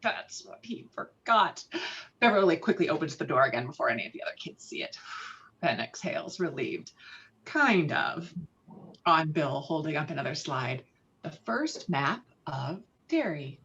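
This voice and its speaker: Low-voiced woman narrator, dull lo-fi sound. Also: sing-song, normal speed, fairly bright tone. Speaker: narrator reading stage directions. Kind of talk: scripted screenplay narration at a table read. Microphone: video call. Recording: dull lo-fi online call audio.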